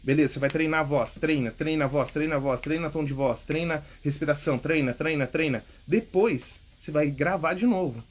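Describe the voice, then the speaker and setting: Recording at home, a man hosts a public speaking podcast, coaching casually and emphatically, repeating key points and often checking in with "ok?". His voice is fairly high and brisk, with hardly any pauses.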